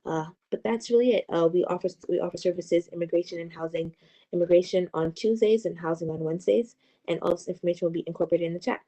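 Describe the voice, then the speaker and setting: Woman speaking on a group video call; low, mellow, halting delivery with frequent fillers. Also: highs cut off. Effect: heard over a group video call. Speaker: council office liaison. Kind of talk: giving updates in an online community board meeting.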